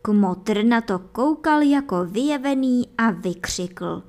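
Woman reading a fairy tale aloud. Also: fairly high pitch. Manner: lively, expressive storytelling. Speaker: storyteller.

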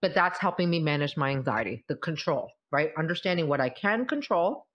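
A woman in her forties, a mother of college-age kids, talking in a casual, expressive way as host of a conversation. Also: deep voice, fairly quick, dull audio.

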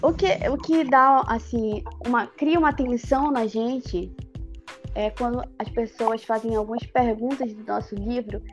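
A woman, chatting casually as a guest author in an interview, explaining things in an animated way. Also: a little high, a little slow, faint music behind. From Pará, northern Brazil.

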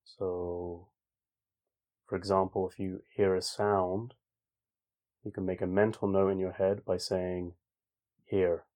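Male meditation guide: low, level voice, slow and calm, informal phrasing with long gaps. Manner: calm, unhurried, with long pauses. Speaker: meditation teacher. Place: online group session over video call.

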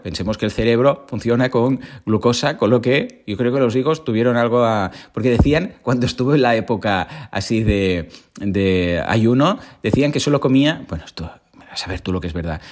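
A podcast host with a Spain Spanish accent talks through his subject in a loose, joking monologue. He uses slang and checks in with his listeners often, his pitch rising and falling in a very lively way. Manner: slangy, jokey, constant "¿vale?" check-ins. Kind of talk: casual explanatory monologue.

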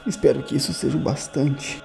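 A man playing a gentle, devout priest in an audio drama role-play, speaking haltingly and repeating phrases with solemn fervour. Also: mid-range voice, little pitch movement, gravelly, soft background music, low-quality recording. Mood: fervent, tender. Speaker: tabletop role-play player. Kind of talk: improvised in-character audio drama acting.

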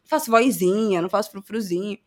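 A woman with a Brazilian Portuguese accent, co-hosting a podcast in casual chat, telling stories in an animated, self-mocking way. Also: medium pitch, quick pace. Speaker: podcast co-host.

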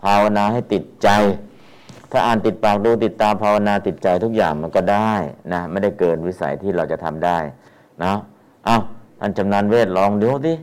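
A man's voice: fairly low pitch, moderate pace, darkish tone, clear, resonant tone. A man teaching Buddhist scripture, explaining how to chant Pali verses and demonstrating the chants with repeated phrases.

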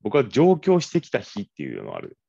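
A low-voiced man with a Kansai accent co-hosts a casual podcast, teasing and playful. His pitch rises and falls a lot as he talks. The sound is dry and a little dull. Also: wildly swooping pitch, fast, vocal fry, dark tone, no echo. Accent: Kansai Japanese. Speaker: marketing radio producer, co-host.

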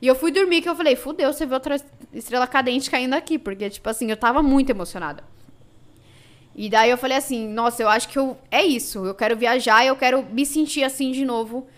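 A woman's voice: fairly high pitch, fast talker. Emotional Brazilian woman telling a story. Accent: Brazilian Portuguese. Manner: emotional, animated storytelling with many fillers. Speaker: podcast guest. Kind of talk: casual storytelling chat.

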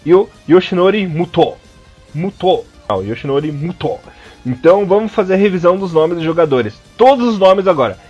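His high-pitched voice is warm with lively intonation: a southern Brazilian man, accent from that region's Portuguese, co-hosting a casual podcast that teaches how to say names. He's patient, repeating them slowly, yet blunt and crude when he jokes; the audio is dull lo-fi with faint music.

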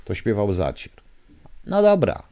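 Furious male radio host, dark voice. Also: on the low side, huge pitch swings, unhurried, dry recording, clean studio sound. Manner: angry, indignant ranting. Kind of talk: live radio talk to listeners. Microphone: studio microphone.

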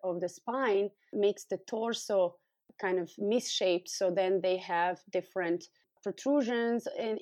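A woman's voice: fairly low pitch, a little mellow, no room sound. A woman from Serbia with a Serbian accent, speaking as an expert guest and explaining things in an interview. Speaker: guest expert, scoliosis clinic founder and physiotherapist.

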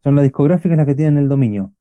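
A man's voice: a little high, lively intonation, rapid-fire, dry recording, phone-quality sound. A middle-aged Argentine man from Buenos Aires hosting a Christian radio show, chatting casually with many fillers and restarts. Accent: Argentine Spanish. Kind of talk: casual chat.

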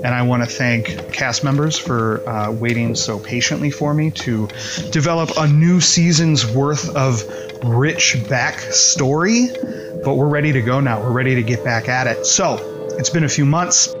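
A man's voice: mid-range voice, a little slow. Man hosting over music, slightly dull sound. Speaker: host and game master. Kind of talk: casual show introduction.

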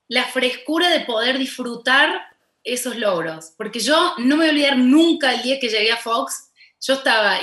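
A woman's voice: fairly high pitch, a bit bright, echoey room. A woman with a Córdoba Argentine accent, a former TV host turned content creator, telling her story passionately and emphatically in a casual interview.

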